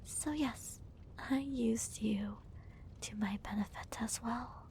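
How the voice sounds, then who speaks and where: A woman playing a smug, theatrical villainess who gloats to her hero in a soft, breathy, deliberate whisper, as an ASMR roleplay. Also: on the high side, slight background noise, rough recording. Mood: smug, gloating. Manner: slow, deliberate, teasing, theatrical.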